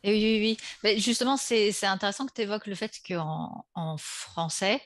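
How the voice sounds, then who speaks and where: A woman who teaches languages, hosting an interview and talking in a lively way. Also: mid-range voice, normal speed, no room sound. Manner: lively, animated when acting out examples. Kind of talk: interview conversation.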